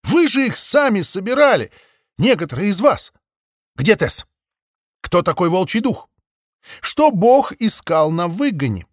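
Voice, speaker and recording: A man voicing Miss Maple, a curious, determined female sheep who insists on getting answers, in a raised, lively voice. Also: fairly high pitch, moderate pace, no echo, studio quality. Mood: eager. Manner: eager, insistent.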